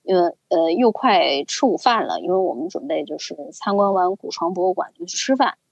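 Young woman, casual storytelling, husky, muffled dry sound. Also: on the low side, brisk, dry recording. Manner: animated, chatty storytelling with fillers. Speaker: podcast co-host. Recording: slightly dull, dry recording.

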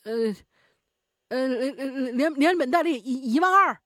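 A woman's voice: high-pitched, big pitch swings, fast talker, dry recording, studio quality. A woman voicing a frightened working man, who stammers and pleads in a rush. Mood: panicked.

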